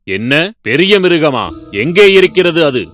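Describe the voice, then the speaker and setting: A regal, cunning lion from a children's cartoon, played by a man. He is commanding and calculating, taking his words slowly while music plays behind. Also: on the high side, big pitch swings, fairly bright tone, voice pushed up, heavily acted. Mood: demanding. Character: kingly, cunning hungry male lion. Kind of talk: children's cartoon animal fable.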